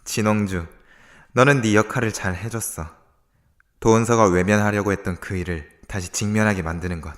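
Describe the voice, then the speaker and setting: A man playing a calm, manipulative young mastermind in a student radio drama, smug and measured. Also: on the low side, no room sound, clean studio sound, close to an everyday voice. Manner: smug, measured, quietly taunting. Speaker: scheming voice actor.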